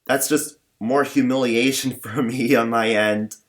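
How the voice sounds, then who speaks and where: A young man rambling in a personal vlog, talking in a flat monotone with many fillers and false starts. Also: mid-range voice, unhurried. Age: young adult. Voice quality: limited, flat range. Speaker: vlogger.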